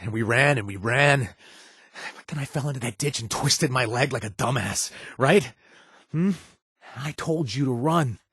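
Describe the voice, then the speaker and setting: A man's voice: medium pitch, normal speed, fairly bright tone, husky, dry recording, studio quality. A man voicing a weary, streetwise game companion who pleads emotionally with his lost brother, his voice rising when desperate. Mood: urgent pleading. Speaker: companion character in a video game. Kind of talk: game voice acting.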